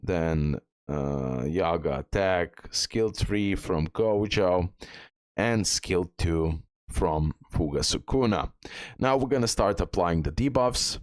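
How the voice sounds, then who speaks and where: A gaming guide creator hosts a casual gameplay walkthrough, thinking aloud as he goes. His voice sits low and slow, recorded in studio quality with no room sound.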